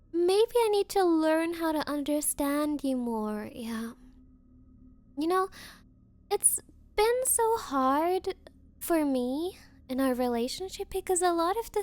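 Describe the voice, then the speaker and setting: A woman acts out a bratty yandere rich girl in an ASMR roleplay. The voice is high and unhurried, recorded dry and close. She coaxes with haughty, falsely patient condescension, halting as she goes, possessive underneath the sweetness. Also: a little mellow, dry recording. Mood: pouty, puzzled. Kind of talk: ASMR roleplay, girlfriend addressing listener.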